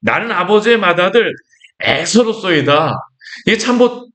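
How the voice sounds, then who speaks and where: Korean pastor preaching a sermon. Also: male voice, sits high, fairly bright tone. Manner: conversational preaching with rhetorical questions and acted-out scripture quotes.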